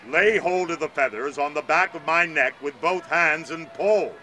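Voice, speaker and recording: A man voicing a giant black talking bird that questions slowly and calmly in a storybook tale. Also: fairly high pitch, poor audio. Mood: probing. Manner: slow, questioning, measured.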